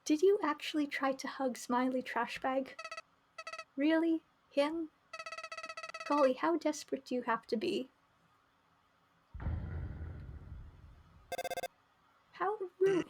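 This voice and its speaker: A woman's voice: high-pitched, unhurried, over music. A woman voicing a mocking, sarcastic talking flower from a video game. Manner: sarcastic, taunting.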